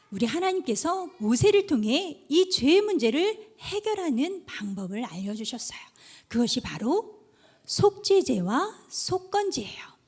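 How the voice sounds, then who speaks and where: A woman preacher giving a children's sermon, telling little stories and speaking straight to the kids. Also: high-pitched. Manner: animated storytelling, addresses children directly.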